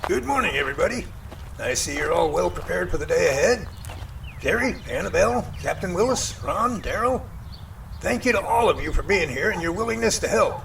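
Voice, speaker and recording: A man playing a folksy, excitable professor who leads a search team in an amateur audio drama, with theatrical, old-fashioned phrasing. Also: sits high, a little fast, creaky, a little hiss or hum, heavily acted. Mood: organizing, puzzled.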